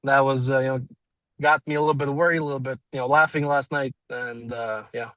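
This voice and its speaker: A man's voice: medium pitch, fairly even intonation, a little fast, a bit bright, no room sound. Young man, non-native English accent, dry sound. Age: 20s. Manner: rambling, self-deprecating, with laughs and fillers. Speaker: salesman and business owner. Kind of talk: casual conversation, storytelling. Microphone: video call.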